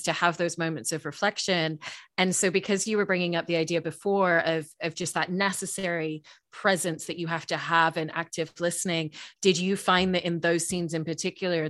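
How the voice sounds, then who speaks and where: A woman with a notably low voice moderates an interview, setting up long, measured questions. The recording is dry and close, with no room echo. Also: a bit bright.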